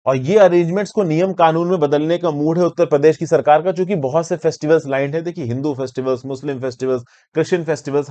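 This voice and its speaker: Higher-pitched Indian man explaining current affairs. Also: darkish tone. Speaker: educator and presenter of current affairs lessons. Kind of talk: explanatory lecture for exam students.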